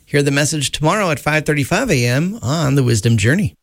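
A man's voice: a little high, expressive, brisk, faint music behind. A man reading scripted promos for a radio station in a polished announcer style.

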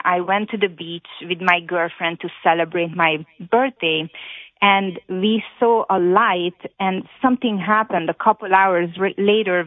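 A woman with a Hungarian accent tells her story to a radio host over the phone. Her voice comes through thin and phone-like, slightly lower than usual, and dry. She talks earnestly, stopping often with "um" and "uh". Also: dry recording. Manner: earnest, halting with many fillers. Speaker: caller. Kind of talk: call-in radio talk. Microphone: telephone. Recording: tinny phone line.

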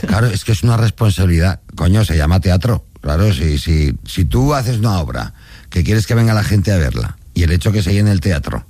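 Middle-aged male guest from Catalonia, booming bass, plain-spoken swearer, dead-dry studio sound. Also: animated, brisk, warm tone, dry recording. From Catalonia, Spain. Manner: blunt, swears freely, tells anecdotes with laughs. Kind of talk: casual chat.

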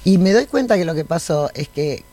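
A woman's voice: fairly low pitch, lively intonation, brisk, mellow. An Argentine woman, a cartoonist, talking emphatically and passionately on a panel. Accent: Argentine Spanish. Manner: passionate, emphatic, often laughing. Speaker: guest cartoonist. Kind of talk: panel conversation.

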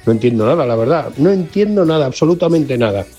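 A man's voice: on the high side, expressive, fast talker, mellow, slightly rough, soft background music. A man calling in to a sports radio show, exasperated and repeating himself. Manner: exasperated, repetitive. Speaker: caller.

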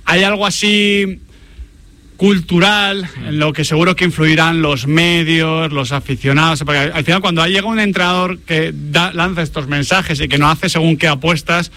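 Un hombre que comenta fútbol en una tertulia de radio y enumera datos con énfasis. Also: male voice, a little high, fairly even intonation, normal speed, sharp tone, dry recording. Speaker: football pundit. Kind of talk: radio panel discussion.

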